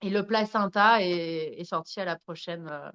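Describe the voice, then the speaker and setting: A woman with a fairly low, smooth voice speaks at normal speed on a podcast, heard with lo-fi sound. As a guest she tells a personal story frankly and animatedly, swearing freely, laughing at herself, and addressing listeners directly.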